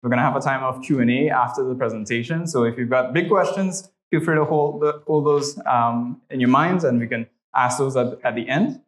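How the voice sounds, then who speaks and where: A man's voice: mid-range voice, fairly quick, hardly any pauses, low-quality recording. A young man from Trinidad and Tobago with a Trinidadian accent, teaching a church class and leading a prayer, talking conversationally with many "right?" tags.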